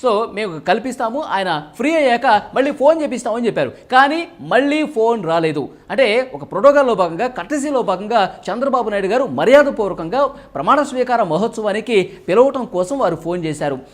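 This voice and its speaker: A man's voice: high voice, lively intonation, a little fast. A man giving live news reporting and political analysis, repeating points and often starting phrases with "so".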